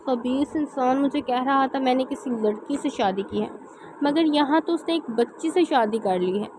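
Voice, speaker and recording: A fiery, blunt young woman, as a woman reading a novel puts her on, sharp-tongued and quick to scold. Her voice sits a little high, and a steady hiss runs under the recording. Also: natural voice. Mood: angry.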